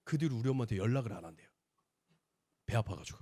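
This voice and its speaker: A man giving a sales seminar talk, telling his family story in an animated way and acting out the voices of the people in it. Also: mid-range voice, fast talker, a little hiss or hum. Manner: animated storyteller, acts out quoted dialogue. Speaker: business presenter.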